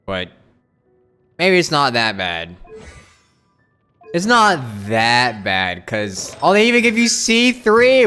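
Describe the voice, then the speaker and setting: Animated, bright-voiced male game streamer. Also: mid-range voice, clean tone. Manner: chatty, reactive. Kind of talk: casual live game commentary. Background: game music.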